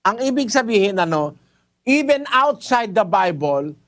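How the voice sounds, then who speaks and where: Emphatic high-voiced preacher. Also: male voice, big pitch swings, unhurried, a bit bright. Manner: emphatic, repeating points, switching into English. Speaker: preacher answering a caller. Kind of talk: corrective Bible lecture.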